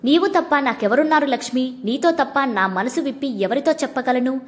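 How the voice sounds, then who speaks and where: Storybook wife, middle-aged, soft and sorrowful, read by a woman in a fairly high voice. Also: fairly quick, close to an everyday voice.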